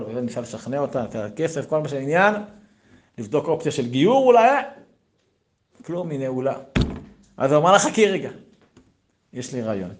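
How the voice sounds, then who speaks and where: Man, storyteller, Hasidic tale, animated delivery, acted-out dialogue, medium pitch. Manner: lively, swings loud and soft, acts out dialogue.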